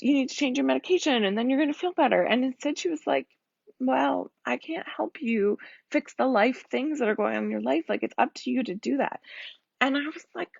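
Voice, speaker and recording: A woman in her thirties with a husky, tired voice, talking candidly and rambling a little on a live stream from home. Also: high-pitched, dry recording. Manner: candid, rambling, laughs often. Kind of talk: casual live stream talk. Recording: dull lo-fi sound.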